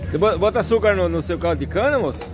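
A man's voice: high voice, animated, rapid-fire, background noise. An older man talking to his own camera at an outdoor street market in a casual, chatty way, often laughing. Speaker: vlogger. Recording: busy market crowd behind.

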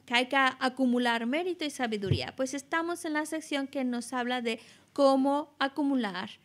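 A woman explaining Buddhist teachings as an interpreter, in a measured way with many restarts. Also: sits high.

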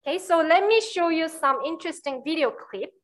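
A woman's voice: extremely high pitch, lively intonation. A woman with a Korean accent, a native speaker of Korean, giving a university lecture in an explanatory way with frequent checks like "right?". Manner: slow, explanatory, frequent "you know" and "right".

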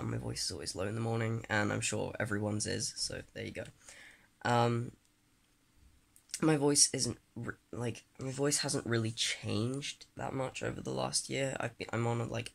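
Here the late-teen trans man's voice is mid-range, creaky, and at normal speed as he rambles casually for his vlog, just awake and groggy. Fillers and restarts pepper his candid talk. He films indoors on a phone at arm's length, moving from a small bedroom to a desk in a bedroom.

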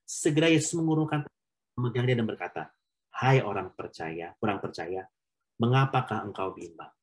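A man's voice: fairly low pitch, lively intonation, normal speed, rough recording. A man preaching conversationally at an online prayer meeting, slipping English phrases into his talk. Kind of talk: casual sermon.

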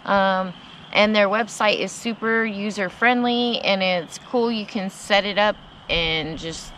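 A woman's voice: medium pitch, measured pace, a bit bright. A young woman in casual, upbeat chat, recorded outdoors by a camera a few meters away. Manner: upbeat, finishes her partner's sentences. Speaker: homesteading vlogger. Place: sunny yard outdoors, seated in camp chairs. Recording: noisy outdoor camera audio.

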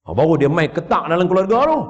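A man giving a mosque lecture, telling stories lively and voicing the characters as he teases the audience. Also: on the high side, fast. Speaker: religious preacher. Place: large mosque hall. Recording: echoey dull hall recording.

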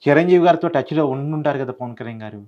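A man gives political analysis at a very quick pace in a fairly high-pitched voice. He talks emphatically, repeating key phrases and posing rhetorical questions as he explains. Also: lo-fi sound. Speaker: political editor giving analysis. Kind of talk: live news discussion, unscripted explanation.

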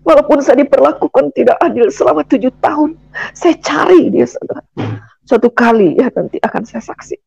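A middle-aged woman from Indonesia tells her life story as a church testimony. She speaks earnestly and often turns to her listeners directly, and her voice has a gravelly edge. The sound is dry and close. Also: high-pitched, animated, a little fast, a little mellow, no room sound, highs cut off. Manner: earnest, keeps addressing listeners as brothers and sisters. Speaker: guest giving a testimony.

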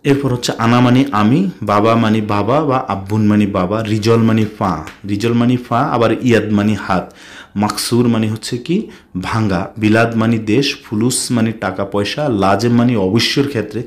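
A man with a Bangladeshi accent teaching basic spoken Arabic, repeating each word slowly and mixing in English phrases. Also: lowish voice, fairly even intonation. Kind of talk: spoken language lesson.

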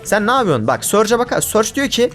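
A man's voice: high-pitched, sing-song, a little fast, fairly bright tone, faint music behind. A man giving casual commentary over his own gameplay, exasperated and ranting at his teammates. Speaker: gaming YouTuber.

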